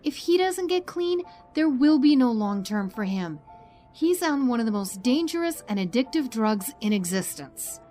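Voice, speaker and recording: An actress playing a caring, principled doctor in an audio drama, earnest and gently firm. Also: female voice, on the high side, sing-song, moderate pace, soft background music. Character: caring, principled woman doctor, torn by duty.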